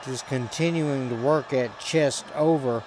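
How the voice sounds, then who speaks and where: Male play-by-play caller, medium pitch, game wrestling commentary, builds excitement on big spots. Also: measured pace, a little hiss or hum. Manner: excitable, rises to shouting on big moves.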